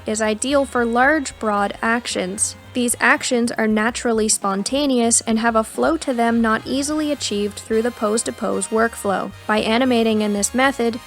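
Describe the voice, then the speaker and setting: Higher-pitched woman narrating over music. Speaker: narrator of an animation tutorial. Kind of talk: scripted educational narration. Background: background music.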